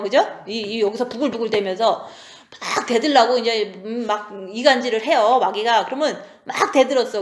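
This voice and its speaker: A woman's voice: fairly high pitch, roomy sound. A woman in her forties giving a conversational sermon, often turning to the audience with "right?". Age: 40s. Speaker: preacher.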